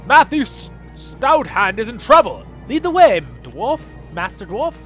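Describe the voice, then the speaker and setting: A man voicing a spirited elf bard in a fantasy game, with a theatrical, excitable manner. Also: very high voice, a little slow, highs cut off, faint music behind, voice pushed up, exaggerated voice. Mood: rallying. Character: spirited male fantasy elf bard, eager battle comrade. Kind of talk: acted fantasy game role-play.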